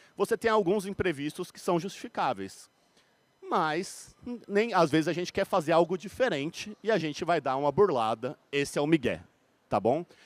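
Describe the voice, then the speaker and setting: A man with a strong Minas Gerais accent speaks at a moderate pace in a high voice, his intonation lively, the sound dry and close with no echo on a very clean recording over a silent background. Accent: strong Minas Gerais (mineiro). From Minas Gerais, Brazil. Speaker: corporate culture consultant, founder. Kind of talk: conference talk. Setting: stage with audience.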